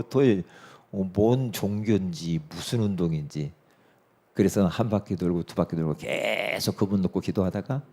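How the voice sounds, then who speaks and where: A middle-aged man preaching a sermon, swinging from loud emphatic peaks to hushed asides and acting out dialogue in his stories. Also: low-pitched. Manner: acts out quoted dialogue in his story. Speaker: pastor. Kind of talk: sermon with storytelling.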